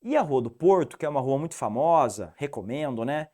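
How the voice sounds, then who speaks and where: A male English teacher with a Piracicaba accent, giving an animated, didactic video lesson and repeating the rules for the student. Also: medium pitch, brisk. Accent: Piracicaba interior São Paulo, rolled R.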